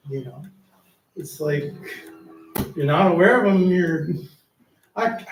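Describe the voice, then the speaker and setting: Audible room echo surrounds a man speaking at a moderate pace and high pitch. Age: 70s. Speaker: spiritual speaker and musician. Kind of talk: talk at a church service. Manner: casual.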